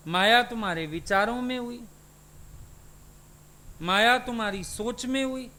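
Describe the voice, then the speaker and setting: Man, spiritual teacher, satsang sermon, high voice, questioning listeners. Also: unhurried, bright, forceful tone.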